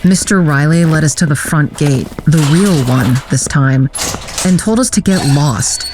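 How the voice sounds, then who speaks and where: A woman's voice: low voice, unhurried, background noise. An actress playing a wry grown woman vividly recounting a teenage adventure in an audio drama. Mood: wry, reflective. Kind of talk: dramatic first-person narration in audio drama. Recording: music bed behind voice.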